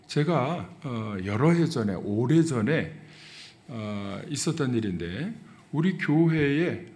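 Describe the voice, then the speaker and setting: Man, pastor, sermon storytelling, animated intonation, soft-to-loud swings. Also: medium pitch.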